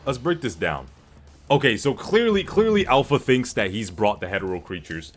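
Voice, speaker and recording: A man streaming casual reaction commentary to his audience, talking in an excitable, slangy way with plenty of swearing. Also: mid-range voice, moderate pace. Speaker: streamer reacting to game cutscenes. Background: background music.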